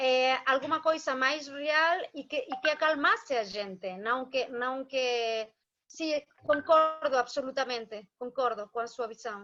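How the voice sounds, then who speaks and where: A woman with a Spanish accent speaks at a fairly slow pace in a raised, projected voice, her high pitch bright and sharp with ordinary pitch variation. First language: Spanish (speaking Portuguese). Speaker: artist. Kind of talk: online debate.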